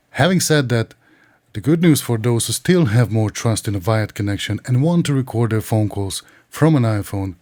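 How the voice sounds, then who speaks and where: A man's voice: on the low side, darkish tone, no room sound. A man narrating an instructional tech tutorial in a methodical, precise, explanatory way. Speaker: tech reviewer and tutorial presenter.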